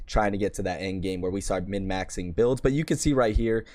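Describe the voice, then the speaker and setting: Gaming host, man, voice shot and hoarse, low-ish, casual rambling guide talk. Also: fairly quick, a little mellow, dry recording. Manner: chatty, rambling, self-deprecating. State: hoarse, worn-out voice. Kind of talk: casual game guide commentary.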